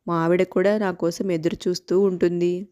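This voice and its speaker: A woman's voice: on the low side, flat delivery, moderate pace, mellow, close to an everyday voice. Woman playing a polite male family friend. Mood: urgent.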